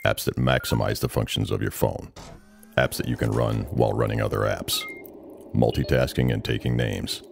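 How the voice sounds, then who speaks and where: Man acting a cool commercial announcer, extremely low voice, confident scripted read, music underneath. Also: steady tone, normal speed, creaky, heavily acted. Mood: cool, punchy.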